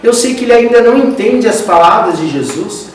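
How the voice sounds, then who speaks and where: Man doing calm forgiving disciple, soft, roomy echo. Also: very high-pitched, brisk, slight background noise, voice pushed up. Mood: reflective. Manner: calm, reflective. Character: gentle forgiving young disciple. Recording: echoey hall, distant mic.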